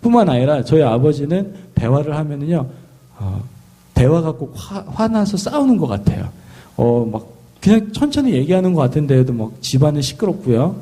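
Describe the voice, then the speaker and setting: A pastor from Seoul preaching a sermon in a lively storytelling way, often asking the congregation questions. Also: male voice, fairly high pitch, normal speed. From Seoul, South Korea.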